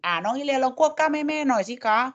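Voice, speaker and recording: A woman's voice: high-pitched, racing. A woman teaching a language lesson, coaxing students and drilling sounds syllable by syllable. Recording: dull lo-fi audio.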